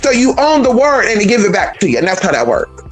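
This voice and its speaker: A trans woman vlogging a blunt, profane, sassy rant in an emphatic, animated way. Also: mid-range voice, fast, faint music behind. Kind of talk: casual vlog rant.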